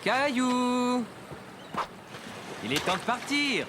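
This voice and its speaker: Patient, lively-toned cartoon dad. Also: male voice, extremely high pitch, very slow, background noise, heavily acted. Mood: helpful. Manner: gentle, reassuring, instructive. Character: patient, encouraging adult father of small boy. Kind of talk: children's cartoon dubbing.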